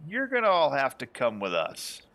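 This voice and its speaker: A man's voice: medium pitch, wildly swooping pitch, moderate pace, fairly bright tone. A man playing a suspicious, officious veteran street cop who questions people, in a tabletop game. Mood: officious, firm.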